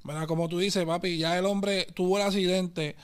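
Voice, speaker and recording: A man with a Puerto Rican accent chats in a quick, lively stream of street slang and keeps calling his listener papi and brother. His voice sits high and comes through smooth and clear. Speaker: guest artist. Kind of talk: casual interview chat.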